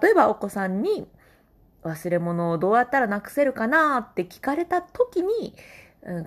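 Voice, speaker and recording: A woman's voice: mid-range voice, darkish tone. A woman hosting her own casual talk show, chatting alone, reading listener comments and laughing often. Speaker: podcast host.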